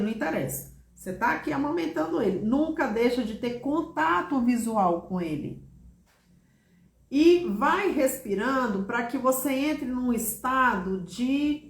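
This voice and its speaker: A reassuring woman with a fairly high voice talks straight to her viewers and calls them by name. She sometimes acts out short quoted lines. The sound is roomy and echoey. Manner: warm, reassuring, speaks directly to viewers by name. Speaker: therapist answering viewers' questions. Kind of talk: live online talk.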